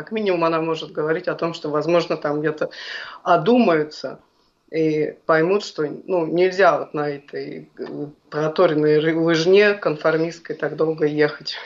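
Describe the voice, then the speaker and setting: A woman speaks in a plain, everyday voice with a fairly low pitch. Her intonation is fairly even and her pace moderate. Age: 30s. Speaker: writer and columnist. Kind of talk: radio interview.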